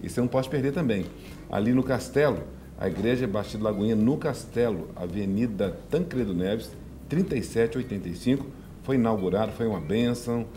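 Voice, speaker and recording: A man's voice: on the low side, a little fast, warm tone, slight background noise. A man, a pastor chatting on a TV talk show and promoting church services. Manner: upbeat promotional delivery with laughs. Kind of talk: casual talk-show chat and church announcements. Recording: music bed behind the voice.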